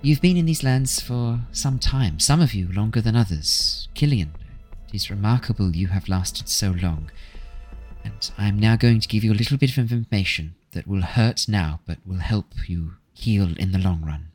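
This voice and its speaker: A man voicing a kindly old woman fortune teller, gentle, calm and cryptic, in a tabletop role-play game. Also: lowish voice, normal speed, slightly rough, soft background music. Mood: solemn, cryptic.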